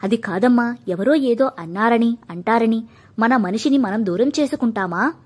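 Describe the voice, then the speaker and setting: A woman voicing an earnest, injured young married man who pleads gently but firmly. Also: on the high side, moderate pace, husky. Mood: pleading, firm. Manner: pleading, firm.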